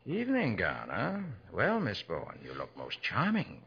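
A man's voice: lowish voice, wildly swooping pitch, normal speed, vocal fry, slightly rough, exaggerated voice. An American man playing a confident, methodical master detective in a 1940s radio drama. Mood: teasing, puzzled. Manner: absorbed, precise, gallantly teasing. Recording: noisy, muffled 1940s radio recording.

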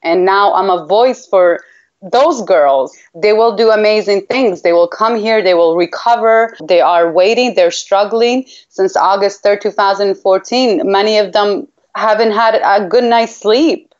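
A woman's voice: medium pitch, a little slow. A woman from Iraq giving heartfelt interview answers as a campaigner, earnest and emphatic, repeating phrases for weight. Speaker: human rights campaigner, interview guest. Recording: dull, lo-fi line.

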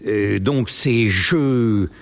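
Brief: male host, gravelly voice, halting and full of fillers, relaxed chat. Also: fairly low pitch. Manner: hesitant, many fillers. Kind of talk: casual chat about word games. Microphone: GoPro camera.

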